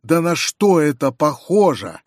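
A man reading an audiobook, voicing a shrill, furious middle-aged noblewoman in an indignant screeching tirade. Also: animated, moderate pace, a little mellow, husky, no room sound, clean studio sound. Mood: furious scolding. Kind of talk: audiobook character voice.

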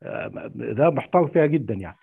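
Gravelly Egyptian man on a tinny line. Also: medium pitch, lively intonation, fast. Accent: Egyptian Arabic. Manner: hesitant, filler-heavy. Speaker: caller. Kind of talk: call-in question. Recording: tinny phone-like call line.

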